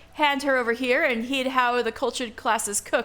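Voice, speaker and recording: A woman's put-on character voice, gruff and high-pitched, at a moderate pace. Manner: surly, gruff.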